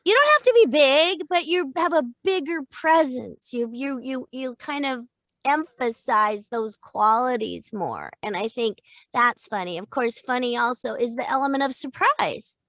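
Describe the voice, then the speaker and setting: Middle-aged woman w a high voice, talks slow and playful, laughs a lot, dry close sound. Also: no echo. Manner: expressive and playful, laughs often, thinks aloud with restarts. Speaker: podcast guest, voice actor and coach. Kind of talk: casual interview chat.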